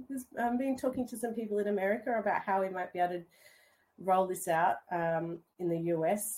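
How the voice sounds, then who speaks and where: In an Australian accent, a woman speaks at a medium pitch and moderate pace with ordinary pitch variation. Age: 40s. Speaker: dyslexia advocate and researcher. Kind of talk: interview.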